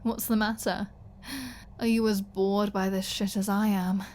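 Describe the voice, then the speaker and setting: A woman's voice: medium pitch, flat delivery, a little slow, darkish tone, natural voice. A woman playing a flirty, defiant captive vampire in an ASMR audio roleplay, teasing and mocking with a sarcastic drawl. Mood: bored, mocking.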